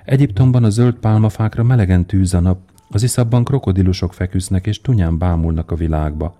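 A man voicing a small, kind-hearted male swallow in a read fairy tale, speaking in a pleading, gently emotional way. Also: low voice, pitched above the performer's own voice, natural voice. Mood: tender, yearning.

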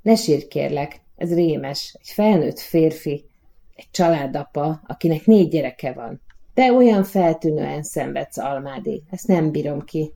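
An actress playing a coaxing, impatient prima donna in a radio play. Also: female voice, deep voice, expressive, gravelly, warm tone. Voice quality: theatrical, coaxing.

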